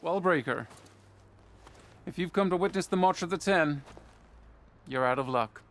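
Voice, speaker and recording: A man acting a stern but fair commander of tribal soldiers in a game. His voice sits a little high for a man and stays measured and firm. Faint music plays behind him. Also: lightly acted. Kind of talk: video game character acting.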